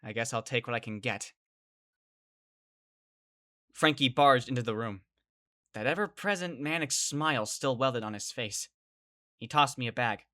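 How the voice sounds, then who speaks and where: Woman doing a confused fed-up young kid narrating, really low for a woman, bright, dramatic. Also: unhurried, long pauses. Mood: resigned. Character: bewildered, exasperated young kid narrating an apocalypse ordeal. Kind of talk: dramatic first-person narration and dialogue.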